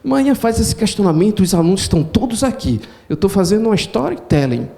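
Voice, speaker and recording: A man from Pernambuco, a professor giving an animated storytelling lecture. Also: sits high, fast, gravelly. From Pernambuco, Brazil. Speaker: professor and speaker.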